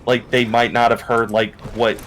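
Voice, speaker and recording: A man's voice: mid-range voice, normal speed, a crowd in the background. A tired man from the northeastern United States, with an accent from there, chatting casually and rambling while gaming. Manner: rambling, restarts, animated storytelling. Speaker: gamer on a stream.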